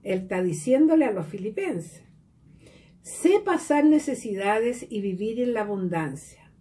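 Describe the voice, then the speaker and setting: A woman's voice: mid-range voice, lively intonation, unhurried, mellow, distant mic. A woman giving a sermon on a Bible passage in an earnest tone, sometimes taking on complaining voices. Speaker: preacher.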